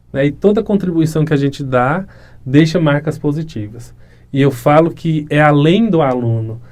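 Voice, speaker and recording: Speaking as an interview guest, this man in his thirties, a municipal education secretary with a Brazilian Portuguese accent from Goiás, replies earnestly and reflectively and frequently closes phrases with a tag question. His voice is on the high side and a little mellow.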